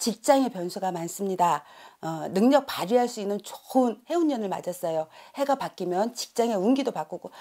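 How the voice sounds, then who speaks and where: Her voice has a dark, mellow tone, and this woman's pitch swings very widely. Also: quiet background. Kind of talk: fortune-telling commentary to viewers. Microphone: lapel.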